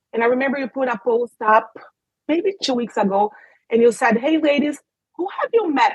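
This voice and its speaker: At a moderate pace, a woman with a high pitch speaks with very wide pitch swings, the sound dry and close with no echo. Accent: strong Brazilian. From Brazil (São Paulo). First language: Portuguese. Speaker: life and business coach. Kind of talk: podcast interview.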